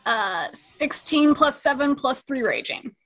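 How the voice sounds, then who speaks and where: A woman's voice: sits high, lively intonation, measured pace, a bit bright, soft background music, poor audio. A woman chatting casually as a player in a tabletop role-playing game.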